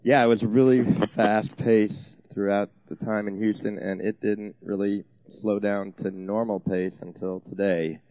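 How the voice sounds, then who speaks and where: A man, a guest on a radio show, chatting in a relaxed, tired way. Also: fairly low pitch, unhurried, few pauses, no room sound, narrow, tinny audio. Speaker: studio guest, event administrator. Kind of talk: casual radio chat.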